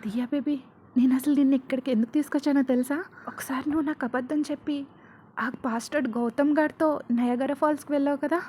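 A woman voicing an obsessive, unhinged young man who rants and shouts at his captive, in a narrated storybook. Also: high voice, fairly even intonation, quick pace, slight background noise, close to an everyday voice.

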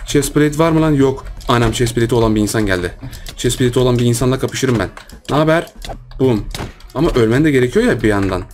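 Excitable man narrating his Minecraft play. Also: mid-range voice, fast talker, slight background noise. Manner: excitable, playful, banters with other players. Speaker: gaming YouTuber. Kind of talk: casual Minecraft let's-play commentary.

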